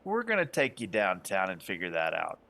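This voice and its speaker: A man acts out a veteran street cop on dock patrol in a tabletop game. He is suspicious and officious, questioning in a creaky, gravelly voice. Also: low-pitched, huge pitch swings, a little fast, bright, forceful tone, pitched below the performer's own voice, full character voice. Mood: officious, firm.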